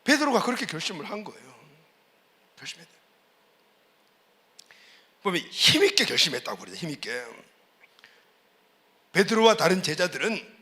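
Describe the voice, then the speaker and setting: A man's voice: sits high, bright, forceful tone. A male pastor preaching a sermon in church, asking the congregation questions and repeating key words for emphasis. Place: church service.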